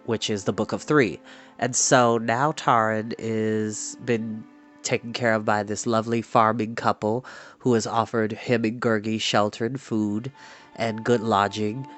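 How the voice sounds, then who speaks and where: A man hosting a storytime show, chatting to his audience in a theatrical, animated, exuberant manner. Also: on the low side. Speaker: storytime host reading books aloud. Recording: music behind the voice. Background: background ambience music.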